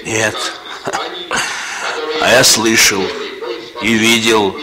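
A young actor playing a rough, laconic young man with a hard past who talks in a colloquial, gently teasing way, in 1960s radio drama style. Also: lowish voice, level tone, very slow, a crowd in the background. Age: young adult.

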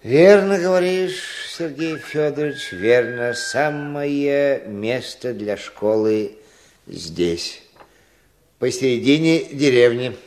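A hearty village organiser in a Russian radio play. His mid-range voice is very animated, folksy and encouraging, often musing aloud as he rallies others. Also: medium pitch, slow pace. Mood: pleased, musing. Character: hearty, eager village organiser rallying the men. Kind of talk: Russian radio drama acting.

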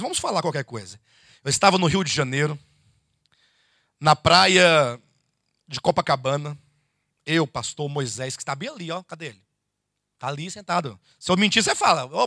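A man's voice: a little high, gravelly, no echo, clean studio sound. A man from Brazil, a bishop teaching a church Bible study to his congregation in a conversational sermon, firing off rhetorical questions and calling his listeners "dear ones". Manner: animated, rhetorical questions, addresses listeners as "queridos". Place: church meeting hall.

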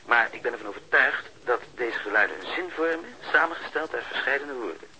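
A pedantic male sound technician in a radio drama. His voice is very bright and forward, at a middling pitch. He talks on the telephone in a chatty, hesitant way, laying things out step by step. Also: animated, a little fast, a little hiss or hum, poor audio. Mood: fussy, matter-of-fact.

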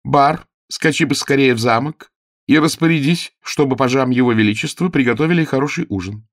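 A man's voice: medium pitch, fairly quick, no echo, studio quality, pitched above the performer's own voice, close to an everyday voice. A man voicing a beautiful, melodious noble lady in a storybook reading, sweet-sounding but cruel underneath. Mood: sweetly coaxing. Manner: sing-song and coaxing. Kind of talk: audiobook character reading.

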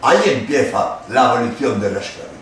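A man from gives a Catholic lecture in sermon style. He speaks emphatically, with dramatic pauses and acted-out quotes. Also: mid-range voice, a little hiss or hum. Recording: echoey hall, voice from far off.

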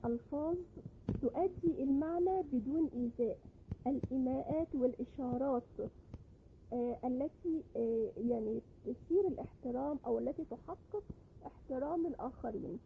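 A woman educator giving parenting advice in an earnest, measured, instructive radio talk. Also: high-pitched, creaky, narrow, tinny audio, noisy background.

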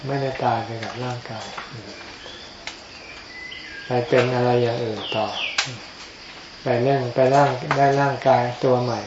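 A male Buddhist monk teaches Dhamma in a low-key murmur. He speaks slowly, in short phrases with pauses between them. The recording is echoey, with clear insect noise behind him. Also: fairly even intonation. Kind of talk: informal Dhamma sermon. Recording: echoey, dull lo-fi, noisy with insects.

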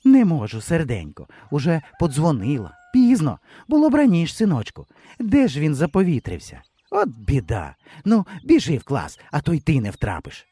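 A man's voice: a little high, wildly swooping pitch, normal speed, mellow, breathy edge, no echo, full character voice. A man voicing a kindly, apologetic old village woman in an audiobook. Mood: rueful, kindly. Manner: tender, apologetic. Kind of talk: audiobook character voice.

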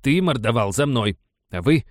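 A man's voice: medium pitch, expressive, normal speed, no room sound, clean studio sound, pitched above the performer's own voice, lightly acted. A man voicing a stern male tribal priest giving curt orders, in an audiobook. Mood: commanding. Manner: curt, commanding.

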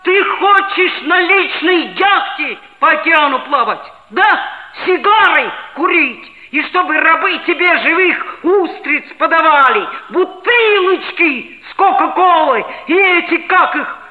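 A woman's voice: very high voice, animated, unhurried. A woman playing a chatty, teasing red-haired schoolboy who narrates, in 1960s radio drama style. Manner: teasing, needling questions. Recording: tinny old 1960s radio recording.

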